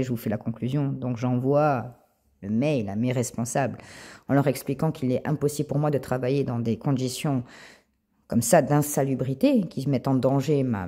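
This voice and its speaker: A woman giving a spoken Christian testimony to her viewers, animated, repeating words and calling them her friends. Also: a bass voice, slightly rough. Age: adult with a child. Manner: retells dialogue in quoted voices.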